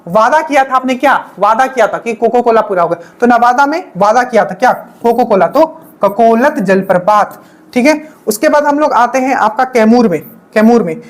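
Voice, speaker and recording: A woman's voice: fairly high pitch, lively intonation, normal speed. A woman teaching an exam-prep lesson, repeating each memory trick and checking in with the class again and again. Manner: repetitive drilling, frequent checking-in asides.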